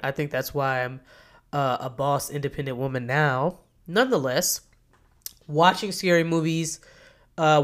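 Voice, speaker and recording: A woman's voice: low voice, a bit bright. A woman in her thirties with a nasal, stuffed-up voice from a cold, talking enthusiastically and chattily as a podcast host. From Kentucky, US. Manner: enthusiastic, chatty, self-correcting. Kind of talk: solo podcast monologue.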